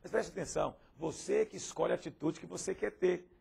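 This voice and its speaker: A man's voice: high voice, brisk, gravelly, a little mellow, husky. A man teaching a Bible lesson in a pastoral course, asking rhetorical questions and acting out the people he quotes. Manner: asks frequent rhetorical questions; acts out quoted speakers.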